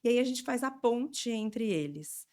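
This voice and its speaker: A woman's voice: fairly high pitch, animated, a little slow, a little mellow. A woman in her forties with a Brazilian Portuguese accent, explaining things informally as an interview guest. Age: 40s. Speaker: interview guest, education NGO representative.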